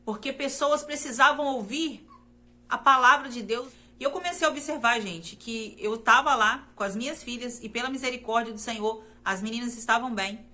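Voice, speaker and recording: In a slightly high, pushed and bright voice at normal speed, a Brazilian woman testifies about her faith, earnest and repetitive, often speaking straight to her listeners.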